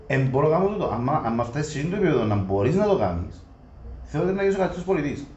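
A man's voice: fairly high pitch, sing-song, darkish tone. A man with a Greek Cypriot accent in casual, colloquial discussion, explaining his views conversationally. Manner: colloquial, acts out imagined customer dialogue. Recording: echoey room, muffled, faint noise.

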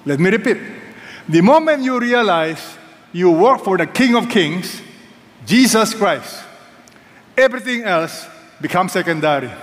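A man's voice: high voice, roomy sound, long reverb tail. An older man preaching a sermon as pastor, emphatic, repeating key phrases and asking the congregation questions.

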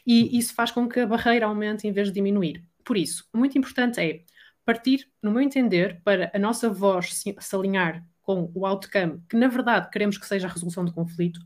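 Lively European Portuguese woman coaching. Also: medium pitch, fairly quick. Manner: energetic, explanatory, acts out quoted dialogue. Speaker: voice coach guest. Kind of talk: casual podcast chat.

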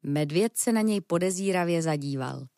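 A woman narrating a children's storybook in a calm, even storytelling manner. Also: lowish voice, dry recording, clean studio sound.

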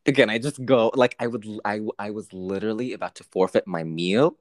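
A young man chatting casually and telling a story, with lively, swearing storytelling and frequent laughs. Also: on the low side, a little fast, no room sound, clean studio sound.

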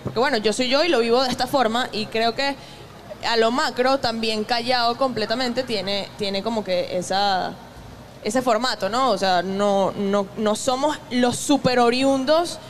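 A young woman from Venezuela with a Venezuelan accent, a guest musician talking in a relaxed, reflective way with many restarts. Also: a little high, measured pace, slight background noise. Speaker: guest musician, maraca player. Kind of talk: casual conversation.

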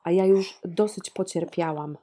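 A woman's voice: lowish voice, fairly even intonation, unhurried, warm tone. A woman reading the short, stubborn replies of a hurt young mother in a novel.

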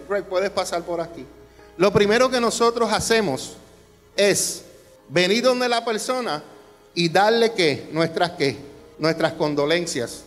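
A man delivers a sermon from the pulpit, his voice notably high for a man. He leans into emphatic phrases and poses questions to the congregation. The sound rings with a long reverb in a large hall, and soft music plays faintly behind him. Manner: preaching with rising emphasis and rhetorical questions to the congregation. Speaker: pastor. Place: church hall.

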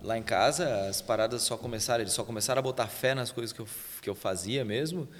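A man's voice: mid-range voice, fast talker, in a large hall. A man in his thirties co-hosting a podcast, making short, blunt remarks in casual chat. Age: 30s.

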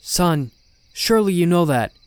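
A man's voice: sits high, lively intonation, normal speed, a little mellow, smooth, no echo, voice pushed up. A man playing a frightened, guilty father in a horror story, agitated, defensive and pleading. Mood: desperate confession.

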